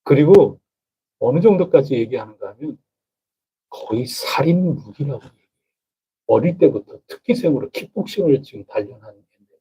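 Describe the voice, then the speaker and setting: A man's voice: medium pitch, lively intonation, normal speed, long pauses, mellow, husky. A male pastor preaching a midweek sermon in a chatty, conversational way, often turning to the congregation with questions. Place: church sanctuary. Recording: dull lo-fi church recording.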